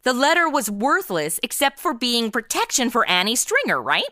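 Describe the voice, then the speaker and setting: A snarky, modern American woman in her twenties in a comic audio drama. Her voice is bright and swings widely in pitch. She is slangy and exasperated, recorded very dry. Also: very animated, moderate pace, no echo. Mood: sarcastic, insistent. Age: young adult. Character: sarcastic modern twenty-something woman zapped into old radio noir. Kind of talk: comedic audio drama, first-person narration and dialogue.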